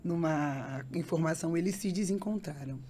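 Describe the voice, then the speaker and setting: A woman tells an emotional faith testimony as a podcast guest. Her voice sits a little low, and she repeats phrases and puts on the voices of the people in her story. A faint background hiss runs under her. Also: moderate pace, mellow.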